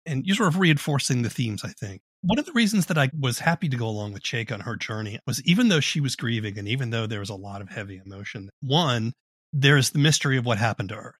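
A man with a husky voice, working as an interviewer, giving his reactions and asking questions in a conversational style. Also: mid-range voice, lively intonation, fast, fairly bright tone, no room sound.

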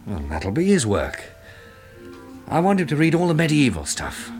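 An actor playing a practical, steady survivor and husband in a 1960s British radio drama, speaking calmly and matter-of-factly with a British accent. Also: male voice, a little high, moderate pace. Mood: grave, reassuring. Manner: calm, reassuring, matter-of-fact. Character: practical, steady male survivor and husband in post-apocalyptic Britain. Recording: 1960s radio drama recording, music behind.

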